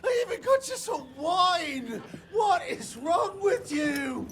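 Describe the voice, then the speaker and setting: A man's voice: extremely high pitch, very animated, takes it slowly, a bit bright, slight background noise, exaggerated voice. A man acting a cowardly, slippery arms dealer in a video game, whiny and theatrical. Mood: panicked, wailing.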